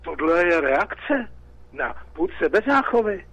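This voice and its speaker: Czech male caller, slightly high, agitated and rhetorical; dry, dull phone-in sound. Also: big pitch swings, fairly bright tone, no echo. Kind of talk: call-in radio talk.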